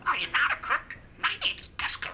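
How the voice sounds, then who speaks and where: A pet budgie mimicking human phrases in parakeet chatter, with a squeaky, garbled, scratchy whispery voice. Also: brisk. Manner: parakeet chatter, mimicked speech in chirpy squawks.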